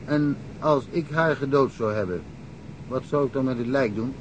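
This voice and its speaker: An actor playing a talkative middle-aged provincial police detective in a radio drama, telling wry stories and chuckling often. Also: male voice, medium pitch, normal speed, background noise, close to an everyday voice. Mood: amused, chatty.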